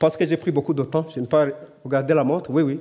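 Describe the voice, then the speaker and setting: The man's pitch sits fairly high. His tone is dark and mellow. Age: 60s. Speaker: lay preacher. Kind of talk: sermon. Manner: halting, many repetitions.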